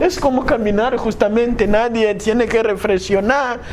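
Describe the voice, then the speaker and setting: In a Rwandan accent, a man with a high pitch speaks at a fairly slow pace against noticeable background noise. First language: Kinyarwanda (speaking Spanish). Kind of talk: religious talk at a seminar. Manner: halting, with repetitions and fillers.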